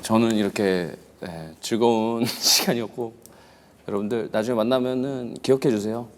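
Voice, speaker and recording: A man's voice: lowish voice, steady tone, moderate pace, noisy background. A man in his thirties, a show regular who mixes drinks, speaking in an easygoing, jokey way. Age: 30s.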